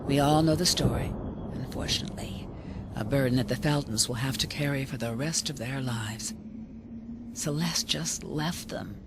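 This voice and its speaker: A woman's voice: a bass voice, normal speed, background noise. An actress playing a stern, protective female housekeeper loyal to her household in a video game drama. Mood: reproachful, grave. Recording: music behind the voice.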